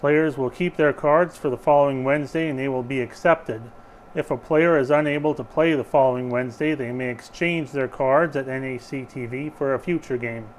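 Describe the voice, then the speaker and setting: A man's voice: mid-range voice, brisk, a little hiss or hum, low-quality recording. A man working as a bingo caller, reading rules and announcements in a formal, procedural way.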